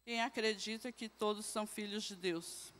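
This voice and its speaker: A woman's voice: medium pitch, fairly even intonation, normal speed, fairly bright tone. A woman with a Brazilian Portuguese accent teaching a Bible class at church, asking the group questions and often adding a tag question. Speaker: Sunday school teacher. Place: church hall. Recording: long reverb in a church hall.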